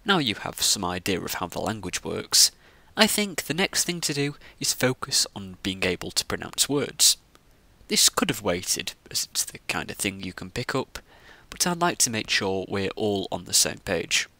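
A man teaching the Latin alphabet, explaining each letter slowly and carefully. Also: fairly low pitch, very animated, bright, forceful tone, no echo. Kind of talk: scripted lesson narration.

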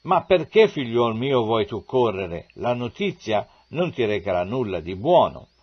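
A stern male army commander, as a man reads him, firm and commanding. The voice sits at a middle pitch. The recording sounds dull and lo-fi. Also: big pitch swings, a little slow, slightly rough.

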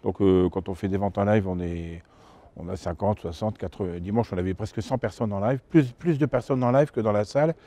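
Low, mellow-voiced man being interviewed. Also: fairly quick. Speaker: antiques dealer and auctioneer, interview guest. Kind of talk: informal interview answers. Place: exhibition hall stand, indoors. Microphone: lapel mic.

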